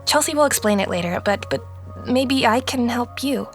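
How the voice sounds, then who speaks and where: A sixteen-year-old girl in an audio drama, with a very high, youthful voice. She is earnest, idealistic and outspoken, pushing her point hard. Faint music sits behind her. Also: lively intonation, moderate pace. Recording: music under the voice.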